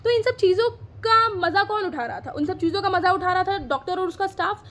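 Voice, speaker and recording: A woman teacher with an Indian accent, explaining a lesson in Hindi and reading answers out slowly in English. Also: very high voice, lively intonation, fairly bright tone. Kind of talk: classroom lesson.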